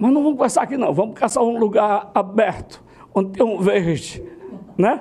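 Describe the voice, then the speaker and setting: A man's high-pitched voice with lively intonation at a moderate pace, amid noticeable background noise. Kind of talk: testimony.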